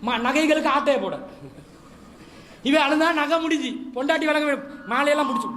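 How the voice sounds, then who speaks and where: A man's voice: extremely high pitch, fairly quick. A man preaching at a Ramadan lecture series, mixing humorous stories and mimicry into the sermon. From Sri Lanka. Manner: humorous, lively storytelling with mimicry and asides. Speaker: Islamic preacher.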